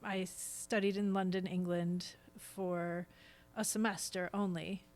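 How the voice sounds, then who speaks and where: A woman's voice: on the low side, little pitch movement, slow, darkish tone. A woman talking as a guest on a podcast in a chatty, casual way, explaining things as she goes. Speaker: guest, stage actress. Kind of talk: casual podcast interview chat.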